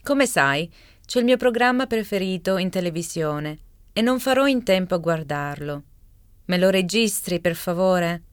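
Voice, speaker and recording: A woman voicing a caller who leaves a voicemail, in slow, carefully enunciated scripted speech. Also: on the low side, expressive, smooth, no room sound, clean studio sound, lightly acted. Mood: apologetic. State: leaving a voicemail message. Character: adult woman leaving a voicemail for her partner. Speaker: voice actor in a language listening exam. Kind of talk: scripted exam dialogue reading.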